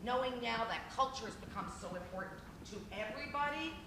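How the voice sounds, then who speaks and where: A woman speaking on a conference panel as a diversity trainer, talking fast and animated with self-deprecating asides. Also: on the high side. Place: conference hall. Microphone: handheld mic. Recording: echoey hall with background noise.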